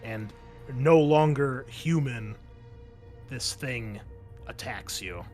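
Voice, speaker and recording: A man runs a tabletop horror game as its game master. His delivery is unhurried, lingering on vivid, gory description and pausing for drama. Soft music plays faintly underneath. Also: mid-range voice, lively intonation.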